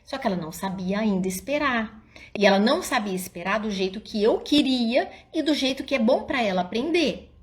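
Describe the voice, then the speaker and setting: A middle-aged woman psychologist, talking casually to parents in a live stream and acting out little scenes as she tells them. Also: brisk. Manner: animated storyteller, often addresses listeners as "gente"; drops soft and low when quoting her own calm words to the child.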